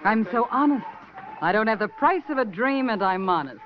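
An actress doing a coy teasing dame. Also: female voice, a little high, expressive, normal speed, lightly acted. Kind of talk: 1940s radio acting. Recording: dull lo-fi 1940s radio recording, music behind.

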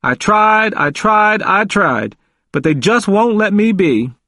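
A male narrator plays a confused, vulnerable old man from an audiobook. The voice is pitched well up and swings widely. He speaks emphatically in folksy, repetitive phrases, and the sound is close and dry. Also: sing-song, normal speed, a bit bright, no room sound. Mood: mournful, agitated. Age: older. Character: confused, frightened elderly man pleading in hospital.

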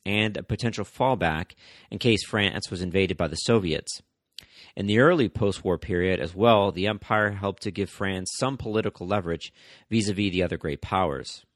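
A man hosting a history podcast, reading scripted narration in a measured way, with occasional fillers and restarts. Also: low voice, a bit bright, no room sound, clean studio sound. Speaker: podcast host.

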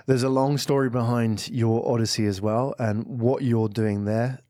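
A man hosts a podcast interview in a dry, close studio. His pitch sits in an ordinary middle range. He talks conversationally, leading into questions with loose asides and fillers. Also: fairly even intonation, moderate pace, warm tone, dry recording. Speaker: podcast host.

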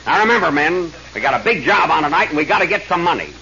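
Animated, bossy gang leader. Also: male voice, on the high side, fast talker, vocal fry, heavily acted. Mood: bossy, brisk. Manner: commanding, wisecracking. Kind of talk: 1930s-40s radio comedy acting. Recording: muffled old radio recording.

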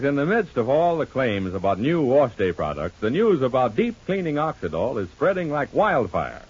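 A man's voice: a little mellow, husky. A man announcing and selling soap in the emphatic style of an old-time radio show, heard through an old muffled radio transcription. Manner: emphatic sales pitch.

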